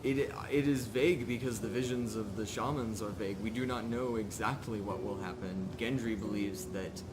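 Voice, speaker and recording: A man's voice: fairly low pitch, moderate pace, noisy background, natural voice. A man voicing an anxious, pleading outcast villager in a tabletop game, speaking formally with stammers and repeated words. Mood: nervous, warning.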